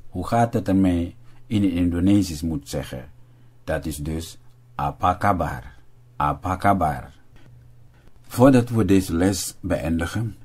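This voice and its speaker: Slow, deep-voiced male language teacher. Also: a little mellow. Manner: spells out and repeats words for learners. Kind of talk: slow, deliberate language lesson narration.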